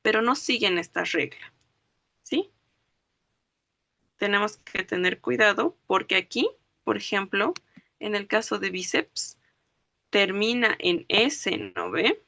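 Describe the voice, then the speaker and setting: Speaking slowly with frequent pauses, a woman teaches an online language class in a sharp, mid-range voice with vocal fry and lively intonation, with no room sound. She explains each rule step by step, spells words out by syllable, and keeps checking that students follow.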